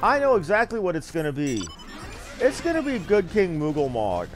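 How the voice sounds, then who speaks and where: A man's voice: high voice, huge pitch swings, normal speed. A man giving casual, folksy live commentary as he streams a game, swearing now and then. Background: video game music.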